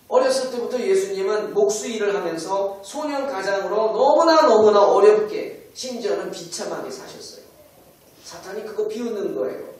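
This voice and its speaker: A man's voice: sits high, a little mellow. A man pastor preaching a sermon dramatically, often asking the congregation rhetorical questions. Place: church sanctuary. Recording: echoey church hall, mic far off.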